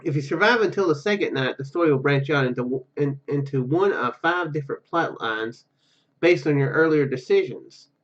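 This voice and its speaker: A man hosting a gaming video, commenting casually and reading game text aloud in a halting, rambling way. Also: fairly high pitch, animated, muffled recording.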